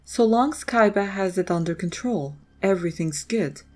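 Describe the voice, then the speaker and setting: A woman's voice: medium pitch, animated, normal speed, a little mellow. A woman reading scripted, dramatic story narration as the narrator of an audio drama.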